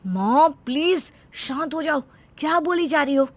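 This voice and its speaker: A woman's voice: high voice, lively intonation, a little slow, no room sound, voice pushed up. A woman voicing a young wife caught between her husband and her mother in a cartoon story, earnest and pleading.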